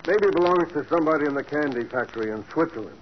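A man's voice: a little high, animated, very fast, natural voice. An actor playing a blunt, matter-of-fact male police sergeant in a 1940s radio drama with a dull, hissy sound.

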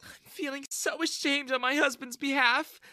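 A storybook narrator voicing a clingy, tearful middle-aged mother, pitched high above the narration. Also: steady tone, moderate pace, pushed and bright, no room sound. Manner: pleading, sobbing.

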